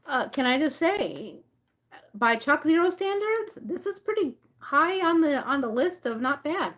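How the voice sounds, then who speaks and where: A woman from Mexico and the rural Southwest hosts a casual livestream, thinking aloud as she reads labels and answers viewers. Her voice is high-pitched, sing-song and a bit bright, and she takes her time. The chat is chatty and informal.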